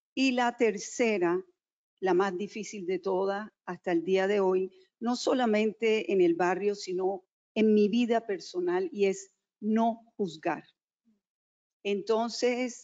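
A woman with a strong Colombian coastal accent speaks at a very slow pace with ordinary pitch variation against a quiet background. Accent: strong costeño Colombian. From Colombian Caribbean coast, Cartagena. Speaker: visual artist. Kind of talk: live on-stage interview. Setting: in-person event with audience. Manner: hesitant, many fillers. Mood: reflective, warm. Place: home room. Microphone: handheld.

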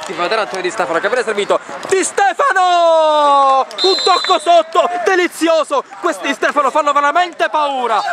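A man's raised, projected voice, excited in tone, extremely high-pitched with very wide pitch swings, over crowd noise in the background. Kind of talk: live sports commentary, play-by-play of a match. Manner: rapid-fire, excited, rattling off player names and passes in a breathless rush.

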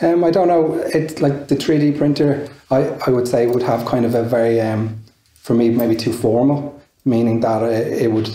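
A man is speaking with very even loudness. Audible room echo surrounds his voice. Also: ordinary pitch variation, moderate pace. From Ireland, Wicklow. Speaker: visual artist. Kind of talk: interview. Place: studio.

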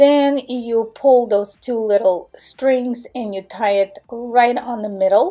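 A woman speaks at a very slow pace in a high pitch with ordinary pitch variation. Her loudness swings widely. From Ukraine. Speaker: DIY crafts YouTuber. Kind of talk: tutorial. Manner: casual, chatty.

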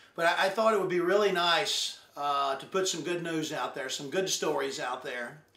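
Pitch varies in an ordinary way. Room echo can be heard. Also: man. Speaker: golf show host. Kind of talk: show host introduction. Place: home room.

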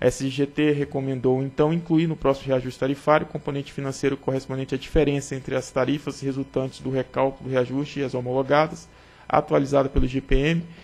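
With a Brazilian accent, a man talks at a fairly quick pace and a fairly high pitch. His intonation stays monotone and flat. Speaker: regulatory agency director. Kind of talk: formal report reading. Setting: public board meeting.

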